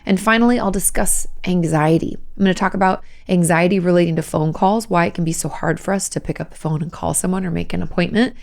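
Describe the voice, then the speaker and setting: A woman hosts a relaxed podcast, explaining therapy ideas patiently and checking in with her listeners. Her voice is hoarse and gravelly, and it sits a little low. She sounds steady and conversational. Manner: warm explanatory, reassuring check-ins. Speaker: host, licensed therapist. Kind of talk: casual podcast advice talk.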